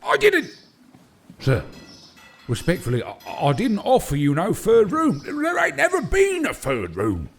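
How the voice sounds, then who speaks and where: Audio drama servant. High, extremely animated pitch, homespun and deferential, soft-hearted, stammering. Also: male voice, unhurried, creaky, breathy edge, exaggerated voice. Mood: flustered protest. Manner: folksy, stammering, pleading, ungrammatical. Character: eager, kindly, deferential male servant. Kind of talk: audio drama character acting.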